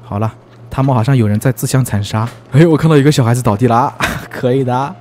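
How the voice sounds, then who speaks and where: A man giving lively, teasing commentary as he plays a video game, full of exclamations. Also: mid-range voice, fast talker, a little hiss or hum. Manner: excitable, teasing, frequent exclamations and laughs. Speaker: gaming YouTuber. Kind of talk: let's play commentary.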